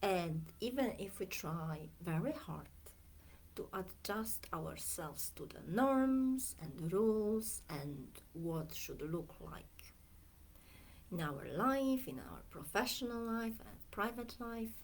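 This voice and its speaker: A middle-aged woman from Poland with a Polish accent, a coach talking in a slow, reflective way that often drifts into near-whispers. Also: medium pitch, animated. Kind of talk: reflective Facebook video talk.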